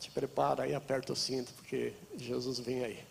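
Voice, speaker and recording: A man talks at a moderate pace. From Brazil, interior of São Paulo state. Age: 60s. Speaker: pastor. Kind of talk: sermon. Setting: church.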